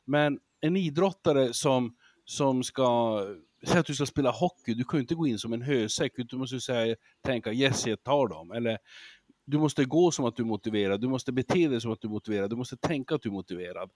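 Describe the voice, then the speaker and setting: A man who gives lectures, talking as a podcast guest in a casual, lively way, acting out examples and laughing easily. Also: medium pitch, no echo. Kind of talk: casual interview talk.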